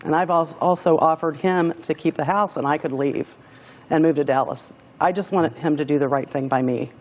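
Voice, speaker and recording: A woman's voice: sits low, a little mellow. Hesitant woman guest on a talk show. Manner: hesitant, unsure, halting. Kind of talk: emotional personal testimony.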